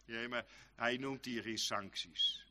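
A male preacher giving a sermon, swinging between soft, quick asides and loud, drawn-out exhortations. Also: mid-range voice, steady tone. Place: church. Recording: long reverb of a church hall.

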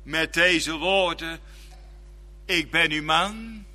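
Slow, bright-voiced male preacher in a hall. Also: a little high. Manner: slow, fervent preaching with quiet, drawn-out phrases. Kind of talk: sermon.

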